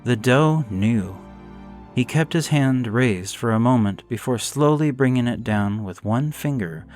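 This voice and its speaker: A man's voice: medium pitch, lively intonation, darkish tone, soft background music. Somber male horror story narrator. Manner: somber, measured, suspenseful. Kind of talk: dramatic first-person scripted narration.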